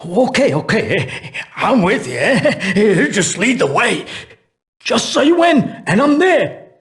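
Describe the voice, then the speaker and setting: A jumpy, cowardly gangster henchman from a crime game. His voice is very high and husky, and he pleads and stammers. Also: very animated, slow pace, fairly bright tone, exaggerated voice. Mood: frightened, placating. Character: jittery, cowardly New York mobster henchman. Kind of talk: crime video game voice acting.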